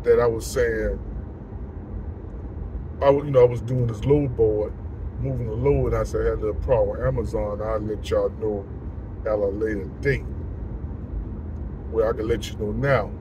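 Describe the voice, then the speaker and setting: A man's voice: on the low side, steady tone, normal speed, long pauses, mellow, a little hiss or hum, rough recording. A middle-aged man, a truck driver, talking casually to a phone camera from inside his car, frustrated and repeating himself as he vents. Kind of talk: casual vlog talk to camera. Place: inside a parked car by day. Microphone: phone camera held close.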